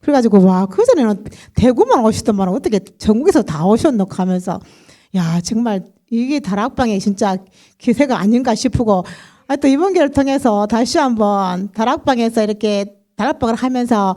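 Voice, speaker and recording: A middle-aged woman from the Daegu region of South Korea, speaking in a Gyeongsang dialect, gives a chatty personal testimony to a church congregation. She laughs often and acts out other people's lines as she tells her story. Her voice is fairly high and warm, with lively intonation at a normal speed.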